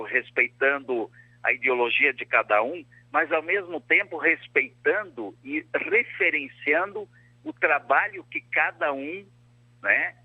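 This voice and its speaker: Um homem, ex-prefeito, dá entrevista por um telefone chiado que corta o tempo todo, falando de modo formal e pausado, com muitas hesitações. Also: male voice, medium pitch, no echo. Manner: formal and measured, with frequent hesitations. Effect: crackly phone line that keeps cutting out. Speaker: former mayor, interview guest. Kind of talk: phone interview on a radio show. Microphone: telephone. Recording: dull, dry phone line.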